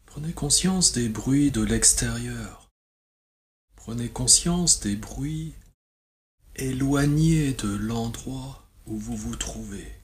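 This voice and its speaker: A man guides a relaxation meditation as a yoga nidra teacher, soothing and measured, with long pauses. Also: medium pitch.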